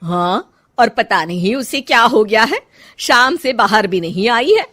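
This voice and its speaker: A woman's voice: a little high, very animated, unhurried, fairly bright tone, exaggerated voice. A woman voicing an older mother-in-law in a cartoon story, who gives orders at first and later speaks kindly. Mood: complaining. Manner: commanding, then affectionate.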